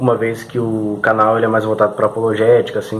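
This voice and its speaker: A fairly low male voice at a fairly quick pace, with noticeable background noise. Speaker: YouTube channel host. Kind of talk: casual video intro. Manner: fast.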